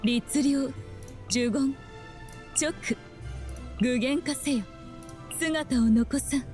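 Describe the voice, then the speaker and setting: A woman's voice: sits high, a little slow, darkish tone, faint music behind. An actress playing a solemn young woman in a video game, chanting spells in a formal, incantatory way. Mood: solemn incantation. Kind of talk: Japanese video game character voice lines.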